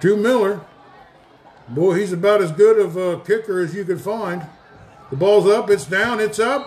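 Noticeable background noise accompanies a man with a high pitch who talks at a moderate pace with ordinary pitch variation and long, frequent pauses. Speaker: radio sports broadcaster. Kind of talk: live play-by-play football commentary. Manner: informal, folksy, addressing listeners.

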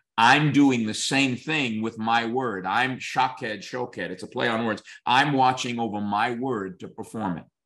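A man with an American accent and a normal speaking voice talks at a moderate pace and medium pitch, with ordinary pitch variation and a quiet background. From New York City. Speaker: pastor and bishop. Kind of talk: interview conversation.

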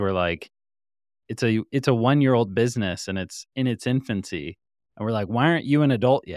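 A man's normal speaking voice at a medium pitch, lively intonation, on a very clean recording with a silent background. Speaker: podcast host. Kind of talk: interview.

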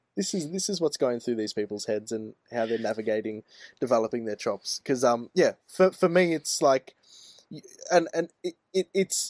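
A man with an Australian accent at a moderate pace, lively in intonation, with a dry, close sound and no echo. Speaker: mixing and mastering engineer. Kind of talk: casual chat.

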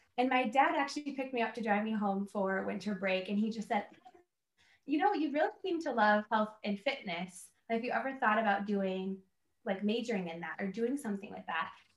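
A woman with an American accent talks at a fairly quick pace with lively intonation. Her voice is fairly high and somewhat breathy. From US Midwest, Chicago suburbs. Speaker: yoga teacher and health coach. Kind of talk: casual chat.

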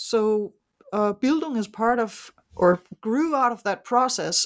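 This woman, with a Danish accent, uses ordinary pitch variation. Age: 50s. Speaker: author and futurist. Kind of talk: interview. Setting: remote call.

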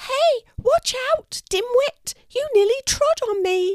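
Using a put-on character voice, a woman speaks fairly slowly at an extremely high, squeaky pitch. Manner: indignant.

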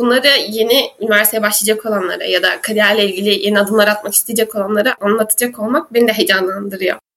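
A woman's animated, bright, sharp voice at a very fast pace. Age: 20s. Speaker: university student and content creator. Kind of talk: casual interview chat. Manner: animated, laughs often.

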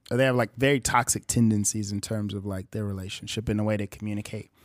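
A fairly low-pitched man at a fairly quick pace, in a monotone, flat intonation. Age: 30s. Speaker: podcast co-host. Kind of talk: casual chat.

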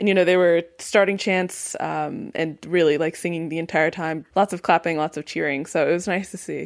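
A woman's normal speaking voice, fairly low-pitched with fairly even intonation, at a moderate pace with hardly any pauses. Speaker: football podcaster and reporter. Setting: remote call from Auckland.

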